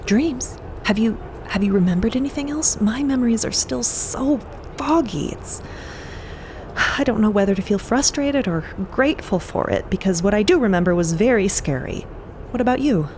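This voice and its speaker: A woman playing a soft-hearted, candid adventurer in an audio drama, with an informal, hesitant, earnest way of talking. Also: fairly high pitch, animated, moderate pace, a little hiss or hum. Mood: tentative concern.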